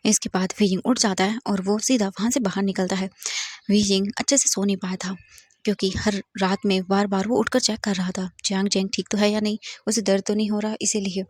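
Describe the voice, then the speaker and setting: Woman telling a fanfic story, easygoing, dry close sound, mid pitch. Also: flat delivery, brisk, darkish tone, no echo. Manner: plain narration mixing English words. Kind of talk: casual retelling of fan fiction.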